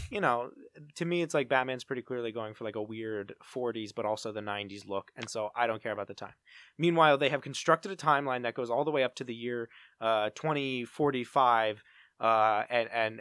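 A man with a medium-pitched voice co-hosts a pop culture podcast. He rambles playfully and casually, often interrupting himself. The sound is dry, free of room echo. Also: pushed and bright. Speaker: podcast co-host.

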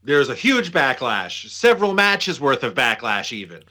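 A man's voice: mid-range voice, sing-song, normal speed, sharp tone. A man co-hosting a casual wrestling podcast from a remote location, making dry, sarcastic jokes. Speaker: podcast co-host. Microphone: remote call.

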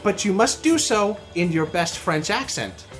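Rambling, animated podcast man. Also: high-pitched, measured pace, music in the background. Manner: rambling, hesitant, laughs often. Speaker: podcast co-host. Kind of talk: casual chat.

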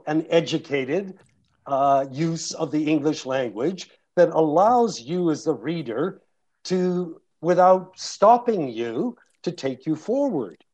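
A man's voice: a little high, darkish tone. A man, an audiobook narrator, answering audience questions in a thoughtful way, often stopping and restarting his sentences. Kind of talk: panel Q&A answers. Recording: muffled lo-fi recording.

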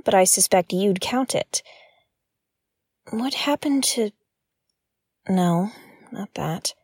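A woman's voice: mid-range voice, darkish tone, no room sound, studio quality. A woman playing a wary, frustrated investigative podcaster in an audio drama, speaking in a guarded, hesitant way. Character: wary, frustrated female investigative podcast host, dogged truth-seeker. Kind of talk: naturalistic audio fiction acting.

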